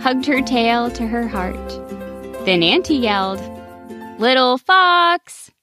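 A woman gently and expressively reading a rhyming bedtime story aloud. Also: a little high, measured pace, over music. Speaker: storybook narrator.

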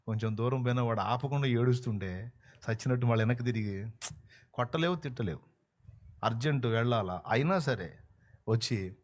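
Man, pastor, fervent sermon, storytelling, hushed then loud swings. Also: mid-range voice, fairly quick, long pauses.

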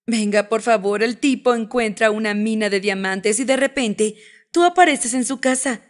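Lively girlfriend role, bright-pitched, narrator's voice. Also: normal speed, natural voice. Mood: playful.

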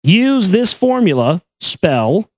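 High-pitched man, slow solemn reciting. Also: very animated, no room sound, studio quality. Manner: incantatory, measured, deliberate. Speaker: reader and commentator. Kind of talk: solemn recitation of an esoteric text with brief asides.

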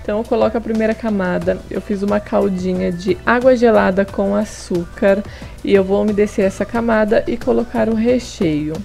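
A woman's voice: medium pitch, normal speed, creaky, mellow, soft background music. Chatty woman explaining a recipe. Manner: chatty, explains each step with friendly tips. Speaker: cooking channel host. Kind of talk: casual recipe demonstration. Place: home kitchen table.

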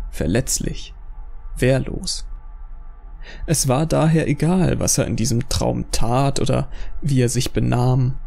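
A man's voice: mid-range voice, vocal fry, darkish tone. A man narrating a scripted horror audio drama.

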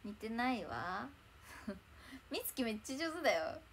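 A woman's voice: fairly high pitch, big pitch swings, measured pace, fairly bright tone, a little hiss or hum. A young woman chatting casually on a livestream in a bubbly, chatty way, thanking viewers as they arrive. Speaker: idol livestreamer.

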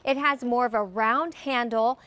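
A middle-aged woman, a brand guest on a live TV shopping show, describing flatware patterns in a studio. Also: a little high, normal speed, dry recording. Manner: warm, descriptive product talk. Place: TV studio set.

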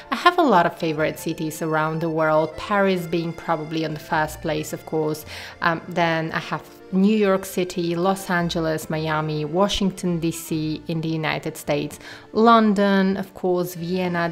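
A woman with a lowish voice talks over her travel footage, full of admiration for what she shows. She speaks in a vlogger's casual voice-over with the odd "um", and soft music plays underneath. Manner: enthusiastic and admiring, with frequent "um" fillers. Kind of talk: travel vlog voice-over narration.

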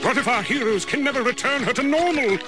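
High-pitched, pompous storybook narrator. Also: male voice, expressive, quick pace. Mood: melodramatic. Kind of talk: scripted narration. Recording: loud music behind.

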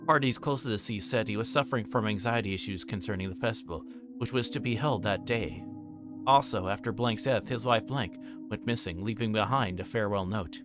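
A man livestreaming a visual novel, reading text aloud and commenting casually in a halting, informal way. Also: lowish voice, over music. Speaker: streamer.

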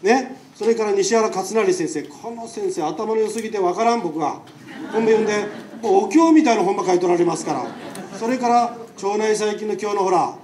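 A man with a Nagasaki accent lectures in a high voice, talking in a chatty way and throwing questions at his listeners. He is picked up from a distance in an echoing hall. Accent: Nagasaki dialect. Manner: chatty, rhetorical questions to the audience. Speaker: lecturing doctor. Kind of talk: public lecture. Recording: echoey hall, mic far off.

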